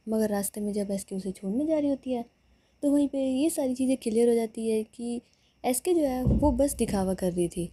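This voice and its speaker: A woman's voice: a little high, warm tone, breathy edge. A woman narrating a romance serial in a conversational storytelling manner.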